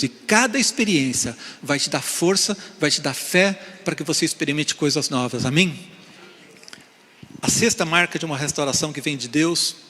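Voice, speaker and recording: A man's voice: a little high, sharp tone. Pastor guy preaching to the church, keeps asking amen?, big reverby hall sound. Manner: preaching with rhetorical questions, frequent "amém?". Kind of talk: sermon. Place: church sanctuary.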